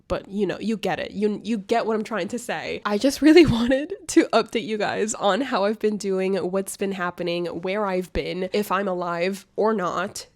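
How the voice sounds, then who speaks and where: A young woman vlogging a casual life update, chatty and rambling, her voice nasal and congested from a cold. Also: mid-range voice. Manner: chatty, rambling, affectionate, laughs often. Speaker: booktuber vlogger.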